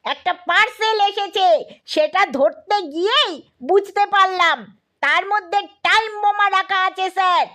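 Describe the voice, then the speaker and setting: একজন মহিলার অভিনয়ে ভীত অফিস পিয়ন, টানা টানা কথা. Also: female voice, extremely high pitch, takes it slowly, pushed and bright, exaggerated voice. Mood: alarmed. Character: frightened male office peon warning his boss.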